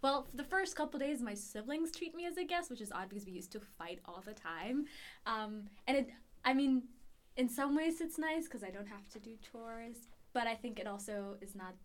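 A woman's voice: fairly high pitch, animated, normal speed, slight background noise. A woman in her twenties from Ethiopia, a student guest on a podcast, talking casually and searching for words as she reflects. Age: 20s. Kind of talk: casual interview.

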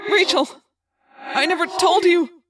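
A distraught boy hero in an audiobook performed by a woman, raised high and pushed loud with emotion. He sounds strained, loyal and helpless. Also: normal speed, background noise. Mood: anguished. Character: anguished boy in a hawk's body, loyal friend.

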